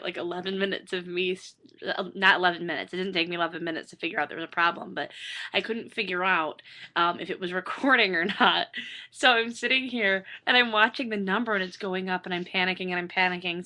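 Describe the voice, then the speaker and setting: A hoarse woman in her thirties chatting casually and rambling with self-deprecating asides. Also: lowish voice, pushed and bright. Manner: self-deprecating, chatty, lots of fillers and restarts. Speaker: author reading her book.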